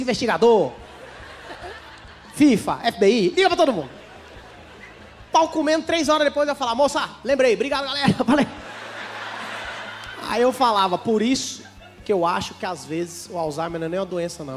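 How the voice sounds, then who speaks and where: A Brazilian man in his thirties with an Espírito Santo accent, telling stand-up stories and acting out both sides of the dialogues. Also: high-pitched. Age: 30s. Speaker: stand-up comedian. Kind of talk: stand-up storytelling.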